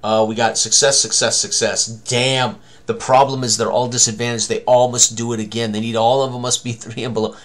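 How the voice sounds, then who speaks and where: A man's voice: medium pitch, level tone, brisk, hardly any pauses, fairly bright tone. A man in his sixties giving a casual tabletop game tutorial, thinking aloud as he works through it. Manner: talks to himself, exclaims mildly.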